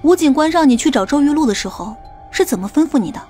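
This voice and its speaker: High-pitched, probing policewoman acted by a woman. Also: lively intonation, quick pace, dark tone, soft background music. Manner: interrogating, challenging. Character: tough, probing policewoman, forceful and skeptical. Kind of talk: audiobook character dialogue.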